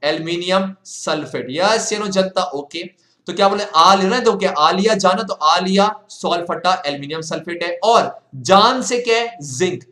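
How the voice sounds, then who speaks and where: A young male teacher working through exam questions in a lively, coaxing way, mixing English phrases into his talk. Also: high-pitched, normal speed. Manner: animated, coaxing, mixes English into Hindi. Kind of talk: exam solution lesson. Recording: echoey room.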